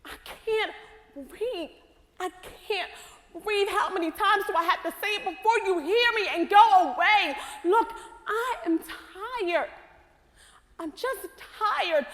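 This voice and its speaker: A woman's voice: high-pitched, fairly bright tone. A woman playing a hopeless, scarred woman. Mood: weary. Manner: bitter, defeated, rising to defiant. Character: wounded, weary woman who has lost hope. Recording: reverberant hall.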